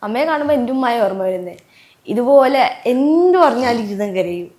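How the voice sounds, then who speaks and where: A woman's voice: fairly high pitch, animated, moderate pace, a little mellow. A woman interviewer who echoes the answers and follows up with short questions. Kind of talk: conversational interview. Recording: echoey room.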